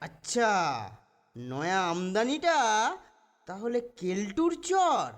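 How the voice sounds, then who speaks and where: A woman's voice: medium pitch, big pitch swings, slow. A woman voicing a plucky, mischievous schoolboy in a cartoon, cocky and conspiratorial. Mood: scheming. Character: plucky, mischievous schoolboy plotting against bullies. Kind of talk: cartoon dialogue. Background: loud music.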